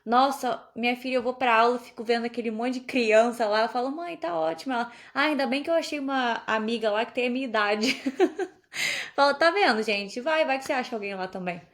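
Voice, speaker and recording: A woman's voice: fairly high pitch, fairly quick, a bit bright. A young woman from Brazil chatting casually as a podcast guest, telling stories and laughing often. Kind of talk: casual conversation.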